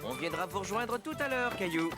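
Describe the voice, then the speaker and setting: A man voicing a calm, friendly father in a cartoon dub, patiently explaining things. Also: high-pitched, fairly quick, loud music behind the voice.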